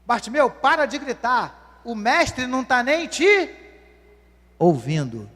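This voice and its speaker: A man preaching, voicing dismissive male bystanders who scold a beggar for shouting. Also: very high-pitched, very animated, slow, heavily acted. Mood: scornful. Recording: long church hall reverb.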